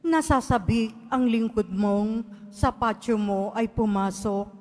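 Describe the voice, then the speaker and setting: A woman reading scripture aloud as lector at a church service, in a measured, solemn way. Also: a little high, mellow. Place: large church. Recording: long church reverb.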